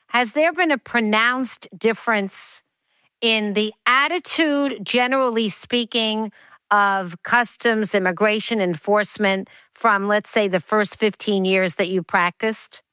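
A woman's voice: fairly high pitch, slow pace, sharp tone, clean tone, dry recording. Chatty, enthusiastic woman host. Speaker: radio or podcast host. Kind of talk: interview hosting.

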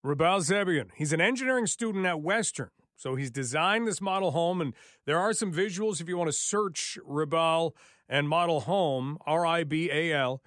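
Male radio host, upbeat encouraging interviewer, close dry mic, slightly high pitch. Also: moderate pace, fairly bright tone, dry recording.

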